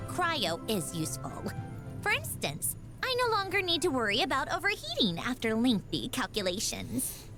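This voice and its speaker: High-pitched, haughty young woman inventor. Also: huge pitch swings, moderate pace, sharp tone, faint music behind, heavily acted. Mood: matter-of-fact, superior. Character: haughty, brainy young female inventor, coolly superior. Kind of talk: scripted video game character voice lines.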